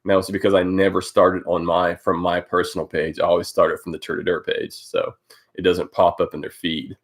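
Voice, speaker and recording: A man's voice: low voice, level tone, brisk. A man hosting a casual live stream, stuffed up from a cold, rambling with many fillers as he greets viewers by name. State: congested from a cold. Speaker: host of a live cycling update stream.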